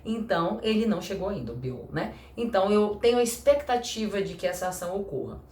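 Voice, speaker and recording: Woman from teaching a casual lesson, chatty and animated, roomy echo. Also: mid-range voice. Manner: chatty, lively, acts out little dialogues, slows for example sentences. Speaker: English teacher.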